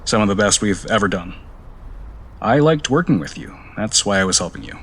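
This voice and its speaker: A man playing a guarded, melancholy travel companion in an audio drama, terse and deadpan. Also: lowish voice, a little fast, a little hiss or hum. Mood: melancholy, frank. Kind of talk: naturalistic audio drama acting.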